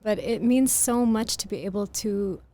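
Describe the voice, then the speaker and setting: A woman author with a very soft voice, answering interview questions in a thoughtful, articulate and earnest way. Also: mid-range voice, moderate pace. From grew up in Greece. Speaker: author guest. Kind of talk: podcast interview.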